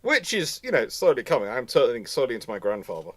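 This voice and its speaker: A man hosting a live history stream in casual chat, with a halting, rambling way of talking that often repeats words. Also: medium pitch, very animated, a bit bright. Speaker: host of a live history question show; history lecturer.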